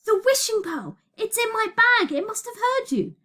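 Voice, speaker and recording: A frantic, brave schoolboy from an adventure storybook, acted out by a woman, shouting urgently at a high pitch. The delivery swoops with alarm. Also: lively intonation, slow pace, heavily acted. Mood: urgent, insistent.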